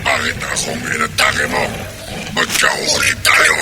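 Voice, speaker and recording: An actor playing a menacing shapeshifting monster in the form of a giant black dog, declaiming in a horror radio drama. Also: male voice, a little slow, noisy background, natural voice. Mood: angry, pleading. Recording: loud dramatic music under the voice.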